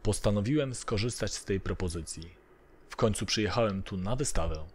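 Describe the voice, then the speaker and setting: A man's voice: on the low side, animated, brisk, slightly rough. A man narrating a first-person horror story from a script. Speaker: narrator of audio horror stories.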